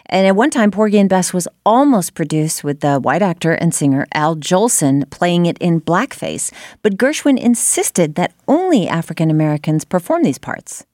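A woman's voice: fairly low pitch, sing-song, normal speed, few pauses, darkish tone, dry recording, studio quality. A woman hosting a radio roundtable, leading the discussion with questions. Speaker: radio host. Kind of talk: interviewing on a roundtable.

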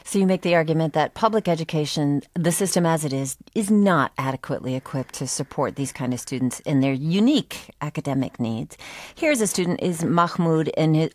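A woman interviewer asking measured, prepared questions in a broadcast interview. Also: low voice, no echo, clean studio sound.

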